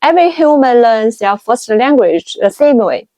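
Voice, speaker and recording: A woman's voice: a little high, lively intonation, moderate pace, dark tone, no echo. A woman in her thirties from China, a native Chinese speaker with a Chinese accent, explaining things as a video host. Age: 30s. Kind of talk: explanatory talk to camera.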